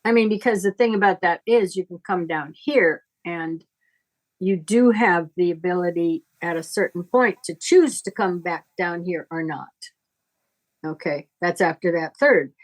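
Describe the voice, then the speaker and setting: Middle-aged woman, lowish voice, very unhurried and deliberate, informal spiritual teacher. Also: expressive, poor audio. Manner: halting, deliberate, reflective explaining. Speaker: astrology teacher.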